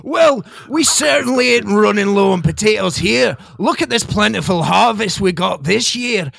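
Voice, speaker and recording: A man playing a humble, excitable Scottish settler in an amateur comedy play, exclaiming theatrically and eagerly. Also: sits high, moderate pace, creaky, no room sound, exaggerated voice.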